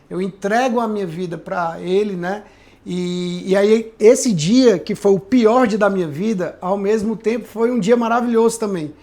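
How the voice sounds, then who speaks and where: On a podcast, a male pastor earnestly reflects on his life testimony, often checking in by way of tag questions. His voice is high and a little mellow.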